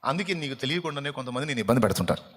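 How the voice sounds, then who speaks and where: A man preaching a fasting prayer sermon as pastor, scolding and dramatic, firing rhetorical questions with sudden loud peaks. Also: medium pitch, animated. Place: church hall. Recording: long hall reverb.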